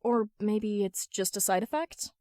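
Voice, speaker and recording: A woman's voice: mid-range voice, unhurried, a little mellow, no room sound, lightly acted. Woman playing teenage boy barista, mild, hesitant, stammering, curious, story reading, dry sound.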